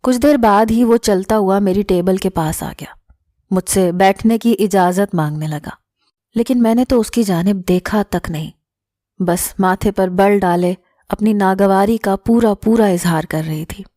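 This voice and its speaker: A woman's voice: medium pitch, mellow, no room sound, studio quality. A woman narrating an emotional first-person story in an earnest reading style.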